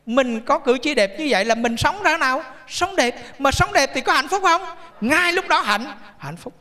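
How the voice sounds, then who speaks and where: A man's voice: very high-pitched, expressive, normal speed, bright, forceful tone. A Buddhist monk gives a chatty, storytelling sermon, joking and asking his audience questions. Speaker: Buddhist monk giving a dharma talk. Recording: reverberant temple hall.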